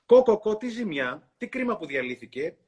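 A man's voice: high voice, very animated, a little mellow, husky, lo-fi sound, pitched above the performer's own voice, exaggerated voice. A man voicing a fussy, sympathetic hen from a children's storybook, clucking as she speaks. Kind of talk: storybook read-aloud.

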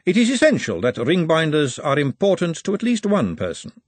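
A man voicing an imperious aristocratic noblewoman in an audiobook, with a husky, emphatic manner. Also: fairly high pitch, huge pitch swings, a little fast, no room sound, pitched above the performer's own voice. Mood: lofty. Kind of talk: audiobook character voice.

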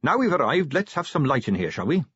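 A man's voice: a little high, very animated, fast talker, a bit bright, breathy edge, dry recording, muffled recording, pitched above the performer's own voice, exaggerated voice. A man voicing a young male watch captain who stays polite and cheerful but firm.

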